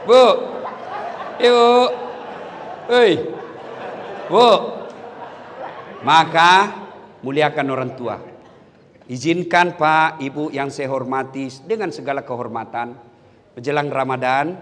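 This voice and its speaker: A man preaching a lively, joking sermon to a live audience, swinging between soft asides and sudden shouts. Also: a little high. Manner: animated, joking, bursts into shouts. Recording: long hall reverb.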